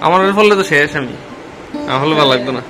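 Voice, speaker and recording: Fast-talking man with Tripura Bengali accent. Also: on the high side, animated, low-quality recording. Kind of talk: casual banter. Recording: music clearly behind the voice.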